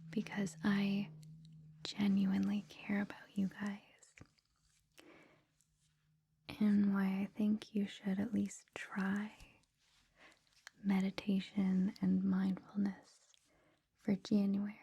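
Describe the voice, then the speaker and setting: A woman host whispering softly in an ASMR style, gentle, reassuring and informal as she speaks to her listeners. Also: medium pitch, monotone, takes it slowly, dull audio. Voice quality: soft breathy whisper. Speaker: ASMR host introducing a meditation series.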